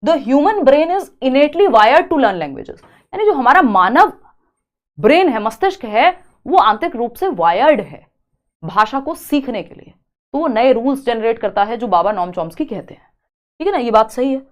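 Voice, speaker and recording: A woman teacher with an Indian English accent, giving an online exam-prep lecture. She explains step by step, often checks with the class, and reads English questions slowly before explaining them in Hindi. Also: fairly high pitch, lively intonation.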